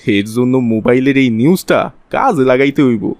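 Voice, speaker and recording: A man's voice: medium pitch, animated, normal speed, darkish tone, dry recording, natural voice. A man playing a scheming city profiteer in a cartoon, with a Bangladeshi accent and a wheedling, colloquial, exaggerated way of talking. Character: scheming city man, sly profiteer spreading virus panic. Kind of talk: Bengali cartoon voice acting.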